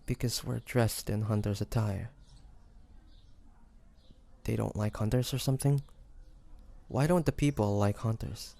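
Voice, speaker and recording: A man's voice: on the low side, steady tone, unhurried, vocal fry, long pauses, mellow. A man playing a flustered, smitten demon hunter in a romantic audio roleplay, hesitant and stammering, often muttering to himself. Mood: puzzled, concerned. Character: flustered young male demon hunter, secretly smitten and awkward.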